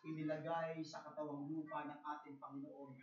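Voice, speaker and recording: Filipino preacher in an echoey hall. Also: male voice, flat delivery, normal speed. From Philippines. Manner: swings from soft low asides to loud emphatic preaching; stammers and repeats words. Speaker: pastor. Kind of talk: bilingual sermon. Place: church conference hall. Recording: roomy, dull church recording.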